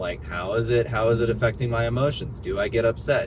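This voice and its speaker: A man with a fairly low pitch talks at a fairly quick pace, with audible room echo and noticeable background noise. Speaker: vlogger. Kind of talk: casual monologue. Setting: in a car. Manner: slurred words; halting, many fillers.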